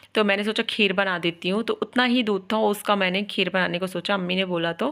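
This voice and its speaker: At a moderate pace, a woman with a medium pitch speaks in fairly even intonation and very even loudness. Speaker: vlogger. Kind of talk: vlog voice-over. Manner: casual, chatty.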